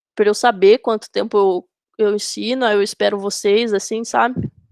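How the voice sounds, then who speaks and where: A woman's fairly high, monotone voice with flat intonation, in a dry, close sound with no echo. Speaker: data analytics workshop instructor. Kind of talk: online tutorial workshop. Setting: online live workshop. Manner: casual, conversational.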